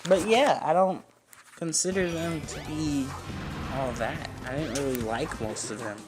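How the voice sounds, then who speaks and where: A young man with a fairly high, unhurried voice hosts a gaming video. His commentary is casual, slangy, and rambling, with video game music playing behind him.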